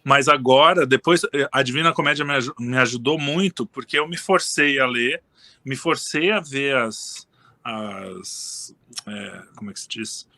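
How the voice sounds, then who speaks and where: A man's voice: mid-range voice, measured pace, gravelly, dry recording. A man talking casually as a guest in an interview, rambling and restarting his sentences often. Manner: relaxed, rambling, frequent restarts and fillers. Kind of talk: casual conversation.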